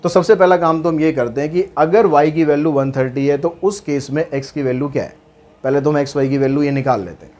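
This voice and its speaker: A man's voice: on the high side, quick pace, darkish tone. A man teaching maths, walking through worked problems in a chatty way with asides and jokes. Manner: chatty, mixes English terms into speech, light jokes.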